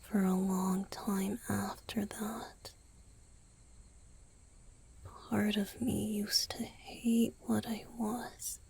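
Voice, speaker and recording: A woman playing a tender, guilt-ridden young male vampire boyfriend in a romantic ASMR roleplay, mostly whispering in a slow, halting, intimate way. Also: mid-range voice, little pitch movement, creaky, mellow, breathy edge, heavily acted. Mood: sorrowful, self-loathing.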